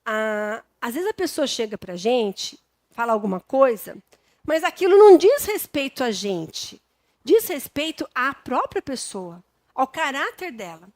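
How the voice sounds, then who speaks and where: High-voiced Brazilian woman preaching. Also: sing-song, a little slow, dry recording. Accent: Brazilian Portuguese. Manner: conversational and homely, with frequent tag questions. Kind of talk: sermon.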